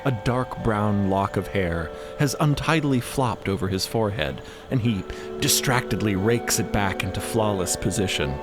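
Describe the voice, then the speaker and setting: A man's voice: fairly low pitch, normal speed, music in the background. A man narrating a scripted story theatrically, with playful, dramatic emphasis.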